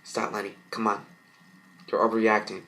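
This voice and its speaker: A man's voice: lowish voice, level tone, moderate pace, sharp tone. A man voicing an evil, possessive mirror monster from a cartoon fan story, coaxing and menacing.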